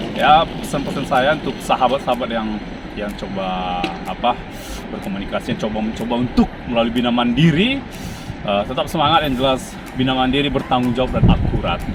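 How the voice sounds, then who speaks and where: Over noticeable background noise, a man talks very fast at a medium pitch with ordinary pitch variation. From Indonesia, Medan, North Sumatra. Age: 30s. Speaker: overseas job candidate. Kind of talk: interview.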